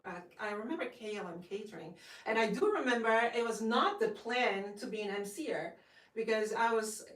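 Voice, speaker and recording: A young Dutch woman with a Dutch accent, a guest actress talking with gushing enthusiasm and lots of fillers. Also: mid-range voice. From Netherlands. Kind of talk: casual interview. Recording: roomy, distant from the mic.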